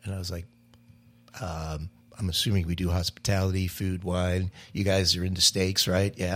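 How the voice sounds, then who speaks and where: Pausing long and often, a man speaks in a very deep, low voice with fairly even intonation. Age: 60s. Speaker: restaurant coach and former chef. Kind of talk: casual interview chat.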